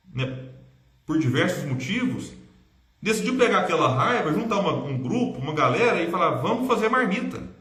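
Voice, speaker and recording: A man with a Minas Gerais accent, high-pitched and animated, at a moderate pace with very wide pitch swings and audible room echo. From Brazil, Minas Gerais. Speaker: spiritist speaker. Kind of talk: lecture. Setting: video call.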